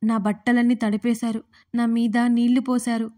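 A woman's voice: on the high side, level tone, normal speed, warm tone, natural voice. A woman voicing a tipsy, childish young woman who talks in a whiny, babyish way. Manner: babyish pleading tone.

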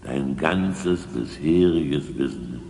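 An actor playing a grave, secretive explorer in an audio drama, with solemn, ominous, drawn-out delivery. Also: male voice, dark tone, heavily acted. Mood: solemn, conspiratorial. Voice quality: very deep, creaky. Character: grave, secretive male explorer guarding a discovery. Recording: echoey cavernous reverb, faint noise.

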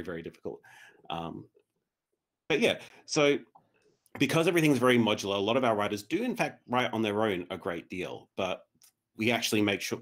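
A man's voice: lowish voice, a bit bright. A man talking conversationally as a panel guest, explaining things in a rambling, self-correcting way over a video call. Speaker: panel guest, podcast director. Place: indoor room on a video call.

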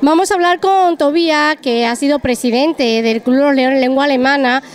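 In a crowded Christmas market hall, with chatter around her and faint music behind, a middle-aged woman reports on location using a handheld microphone. Her high voice moves at normal speed as she effusively interviews people and comments on the event.

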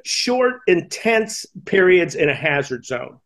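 An American man in his sixties explaining things emphatically in an interview, halting and repeating the starts of words. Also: high voice, very animated, a bit bright. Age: 60s. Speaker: fire command instructor and podcast guest. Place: indoor room, on a video call. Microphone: headset boom mic.

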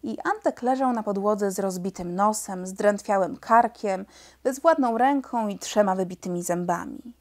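A woman narrating a children's book aloud in a lively, expressive storytelling manner. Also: medium pitch, normal speed. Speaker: audiobook reader.

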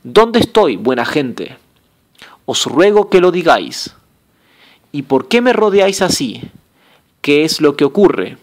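A man's voice: on the high side, big pitch swings, slow, pauses often, full character voice. A man voicing a bewildered, indignant handsome young man who pleads and exclaims his questions.

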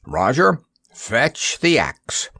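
A man voicing a stern, excitable old sea captain and explorer who speaks loudly, in a storybook reading. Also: medium pitch, very slow, gravelly, no echo, studio quality, pitched above the performer's own voice, exaggerated voice.

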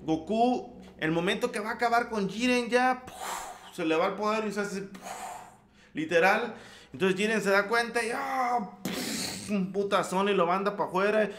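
A man with a Mexican accent giving an excited, slangy anime recap full of sound effects. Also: high voice, normal speed. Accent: Mexican Spanish. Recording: roomy echo.

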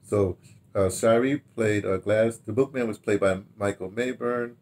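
Low-voiced older American man, rambling recollections. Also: fairly even intonation, darkish tone. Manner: rambling, halting delivery, repeating words, checking notes aloud. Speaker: radio drama producer recalling past productions. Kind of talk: casual reminiscing to camera. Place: small book-lined room at home, indoors.

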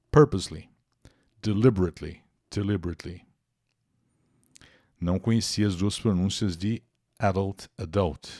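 Brazilian male English teacher, low voice with animated swings, dry close mic, live-stream lesson with chat shout-outs. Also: no room sound. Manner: explains words and pronunciation, reads chat comments aloud.

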